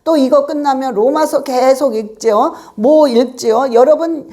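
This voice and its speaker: A woman's voice: sits high, a little slow, mellow. A woman pastor from Korea preaching a sermon, urging her congregation with emphatic, repetitive exhortations.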